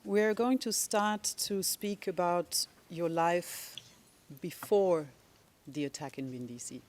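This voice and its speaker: A lawyer for victims in a courtroom, speaking slowly and deliberately while explaining procedure and questioning a witness. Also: medium pitch. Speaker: legal representative of victims.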